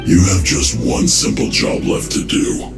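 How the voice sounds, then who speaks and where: Playing a video game's villain agent, a man sounds smug, threatening, and condescending, offering mock sympathy. He speaks expressively and without hurry in an exaggerated, very deep, gravelly voice, with music and a roomy echo in the recording.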